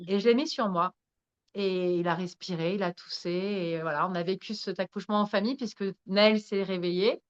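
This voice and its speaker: A woman at a middle pitch tells her story as a podcast guest, in a frank and earthy way. She swears casually, laughs at herself and keeps turning to the listeners. The recording sounds a little dull and lo-fi. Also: a little fast, clear, resonant tone. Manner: animated, addresses listeners directly. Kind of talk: candid storytelling in conversation.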